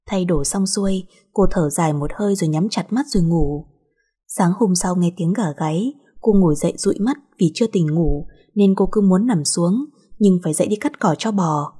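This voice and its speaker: A woman reading a short romance story aloud as the narrator, in a steady, even storytelling manner. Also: lowish voice, breathy edge.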